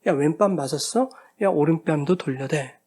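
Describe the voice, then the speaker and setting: A man's voice: on the high side, moderate pace, a little mellow, slightly rough. Brief: a man doing a plain-spoken teacher giving curt, casual advice. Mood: instructing.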